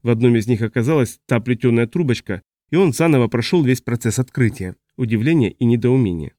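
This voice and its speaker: A man narrates an audiobook from a script, telling the story in a measured, even way. His voice is mid-range, and the studio-quality recording has no room sound.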